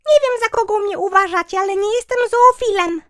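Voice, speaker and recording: A woman's voice: extremely high pitch, fairly quick, a bit bright, no room sound, studio quality. A woman voicing an indignant young cartoon fairy-tale heroine, blunt and affronted.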